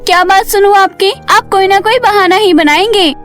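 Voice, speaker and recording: A woman's voice: very high voice, moderate pace, fairly bright tone, soft background music. A woman voicing a hot-tempered young serpent woman in a cartoon story, with dramatic, emotional delivery. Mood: indignant, reproachful.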